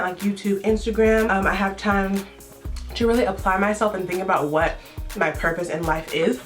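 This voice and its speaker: A young woman chatting casually on camera at home, talking loose and slangy while eating, recorded on a tripod camera. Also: medium pitch. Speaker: vlogger. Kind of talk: casual mukbang chat.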